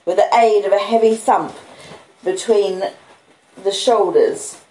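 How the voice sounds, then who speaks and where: Slow and mellow with a medium pitch, an Australian woman streams herself reading a classic novel in an expressive audiobook style, mixed with relaxed chat. The recording has room echo and clear hiss or background noise.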